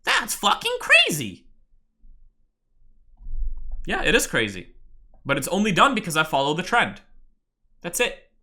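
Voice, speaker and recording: Excitable trading mentor with a lively voice. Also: mid-range voice, moderate pace, long pauses. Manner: excitable, bursts into loud exclamations, swears often. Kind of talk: live webinar teaching.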